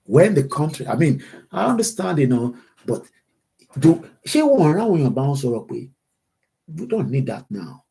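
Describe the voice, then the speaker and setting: A Nigerian man with a Yoruba accent hosts an online political livestream, reading viewer comments aloud and switching between English and Yoruba. His medium-pitched voice has vocal fry, a dark tone, and a breathy edge.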